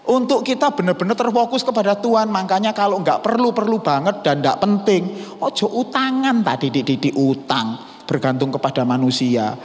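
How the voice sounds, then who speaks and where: A man with an East Javanese accent preaching a sermon as pastor, telling stories and slipping Javanese and English words into his talk. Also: high-pitched. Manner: mixes Javanese and English into Indonesian, storytelling. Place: church hall. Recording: church hall reverb.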